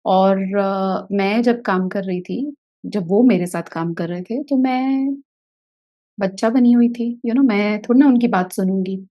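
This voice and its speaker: A woman's voice: medium pitch, a little slow, dull audio. A woman in her forties, an autism therapist, telling a workshop story in a casual video talk and acting out the scenes as she goes. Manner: animated storyteller who acts out scenes. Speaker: autism therapist and parent mentor.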